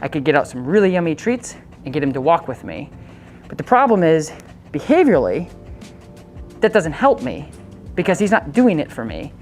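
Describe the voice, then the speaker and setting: A woman's voice: low voice, very animated, moderate pace, pauses often, darkish tone, soft background music. A woman working as a dog trainer, coaching owners in a casual, chatty way and breaking off to give the dog short, upbeat commands.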